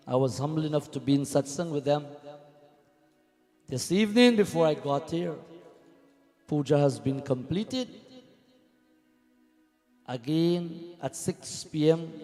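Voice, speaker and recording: A man's voice: medium pitch, dark tone. A man giving a devotional sermon and welcome as a Hindu spiritual leader, exhorting with rhetorical questions and repeated phrases. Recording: reverberant hall, music behind.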